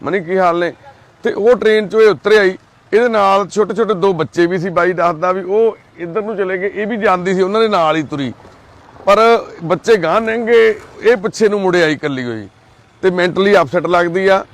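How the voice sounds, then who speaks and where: A man with a Punjabi accent, speaking outdoors at night by a railway crossing, gently coaxing and reassuring a frightened girl while he narrates his vlog. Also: high-pitched, moderate pace, no echo. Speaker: volunteer vlogger helping a lost girl.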